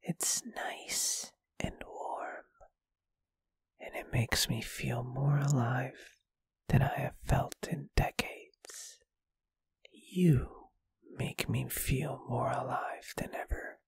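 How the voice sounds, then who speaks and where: A performer voicing a shy, gentle, lovestruck ghost in an ASMR roleplay, in a breathy, soft, hesitant and tender whisper. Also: medium pitch, fairly even intonation, very slow, dry recording. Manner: bashful, tender, hesitant, intimate. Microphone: close microphone, dry.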